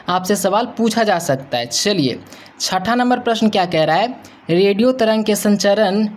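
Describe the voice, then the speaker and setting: Young man teaching, medium-high voice. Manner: repetitive, emphatic explaining. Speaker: exam coaching teacher. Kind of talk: teaching through practice questions and answers.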